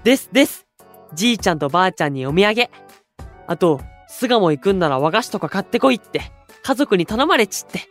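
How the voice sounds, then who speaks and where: A woman's voice: mid-range voice, expressive, brisk, close to an everyday voice. A woman playing a casual, cheeky teenage-sounding boy idol who talks in slang to older bandmates. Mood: cheerful. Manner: casual junior-to-senior slang. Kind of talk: anime-style voice drama acting. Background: music.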